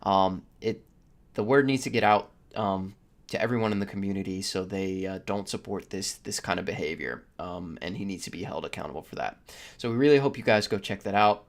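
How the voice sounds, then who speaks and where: Low-voiced man hosting a podcast. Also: a little fast. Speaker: podcast host.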